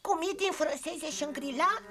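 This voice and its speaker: Very high, dopey little cartoon ant. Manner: simple, dopey. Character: dim-witted, meek little cartoon ant sidekick. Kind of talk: dubbed cartoon acting.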